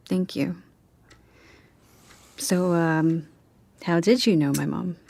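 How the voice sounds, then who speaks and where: Creaky-voiced, tentative young woman. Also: lowish voice, takes it slowly, a little mellow, full character voice. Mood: subdued. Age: young adult. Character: polite, curious young woman writer, orphaned daughter. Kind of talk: naturalistic audio drama acting.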